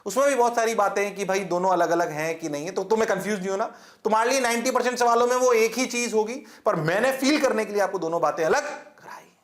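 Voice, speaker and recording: In an echoey classroom, an Indian man with a high voice gives a lecture-style physics class. He throws questions at the students, answers them himself, and keeps checking that they follow, blending English terms into his Hindi.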